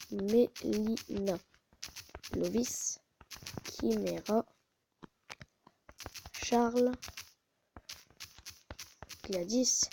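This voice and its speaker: A woman's voice: mid-range voice, creaky, mellow, slight background noise, low-quality recording. A woman hosting a casual gaming video, muttering to herself and often stopping to correct herself, recorded on a phone. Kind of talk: casual gameplay commentary.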